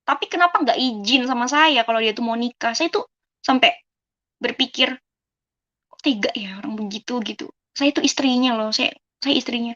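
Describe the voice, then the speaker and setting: A young woman from Indonesia tells her life story to listeners, talking casually and turning to them often as friends. Her voice sits a little high. The recording is dull and lo-fi. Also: moderate pace, a bit bright. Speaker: person giving a testimony. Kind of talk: personal life story told to an audience.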